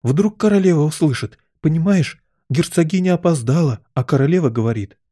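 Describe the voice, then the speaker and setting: A man reading a storybook aloud, voicing a timid, anxious white rabbit who speaks in nervous, hushed tones. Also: medium pitch, brisk, pitched above the performer's own voice, close to an everyday voice.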